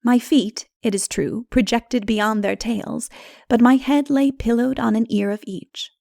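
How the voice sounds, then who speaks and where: A woman narrating a literary fantasy audiobook in a measured, dramatic storytelling manner. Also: a little high, steady tone, vocal fry, warm tone, no room sound, studio quality.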